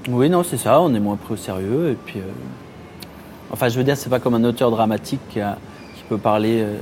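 A male comedian in casual conversation, hesitant and halting, often pausing to find his words. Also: mid-range voice, a little mellow, slight background noise. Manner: hesitant, full of pauses and restarts. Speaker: comedian guest.

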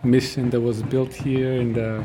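A man from Portugal, a graffiti artist speaking haltingly in a street interview, with many pauses and ums. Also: medium pitch, flat delivery, dark tone, slight background noise. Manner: hesitant, halting, full of ums.

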